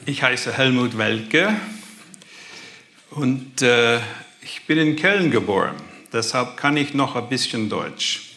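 Brief: American-accented man, guest speaker, slow and halting delivery, bright forceful tone, hunts for words and drifts into English. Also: mid-range voice, animated. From grew up in the USA. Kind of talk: personal faith testimony.

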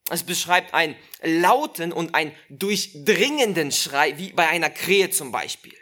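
A preacher giving a sermon, slow and emphatic, repeating key phrases and speaking directly to the listeners. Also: medium pitch, expressive, pushed and bright.

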